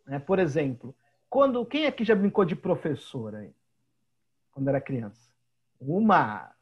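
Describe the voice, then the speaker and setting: A man's voice: fairly high pitch, very animated, a little slow, husky. A man with a Brazilian Portuguese accent teaching an online class, chatty and constantly checking in with his students. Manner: chatty, keeps asking "né?". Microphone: video call. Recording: dull lo-fi video call audio.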